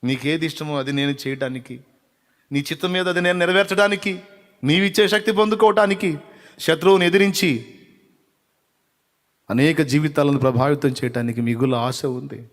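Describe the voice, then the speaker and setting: A man's voice: a little high, fairly even intonation, fairly quick, pauses often, long reverb tail. A male pastor giving a short devotional message, talking in a pleading, fervent prayer addressed to God. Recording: voice over Carnatic music with tabla.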